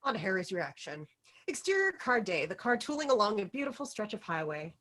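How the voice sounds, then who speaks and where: A woman's voice: mid-range voice, big pitch swings, a little fast, a bit bright. Woman narrator doing screenplay directions at a table read, very varied intonation.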